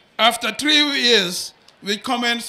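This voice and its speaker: The voice is raised and projected, with fairly even intonation. It moves at a fairly slow pace. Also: man. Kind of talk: formal ceremonial speech. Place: tent. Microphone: podium.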